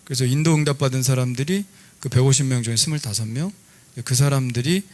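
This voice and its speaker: A middle-aged man, a pastor, preaching a sermon in a relaxed, conversational storytelling way with lively asides. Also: medium pitch, fast talker.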